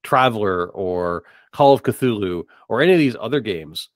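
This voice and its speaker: A man's voice: on the low side, animated, normal speed, dry recording, studio quality. A man hosting a podcast in casual interview chat, hedging and rephrasing his thoughts as he goes. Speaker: podcast host.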